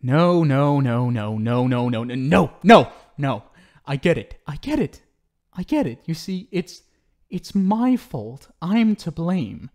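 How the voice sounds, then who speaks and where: Man acting obsessive talk show host, slow and unhinged. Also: a little high, very animated, darkish tone. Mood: desperate, pleading. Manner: cooing, theatrical, swinging between sweet pet names and pleading. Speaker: audio roleplay performer. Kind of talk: ASMR roleplay acting.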